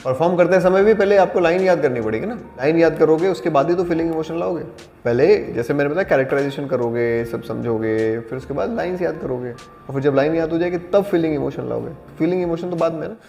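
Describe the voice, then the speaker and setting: Calm man teaching an acting class. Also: on the high side, creaky. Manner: calm, deliberate explaining, mixes in English terms. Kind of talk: spoken acting lesson. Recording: echoey hall with faint music.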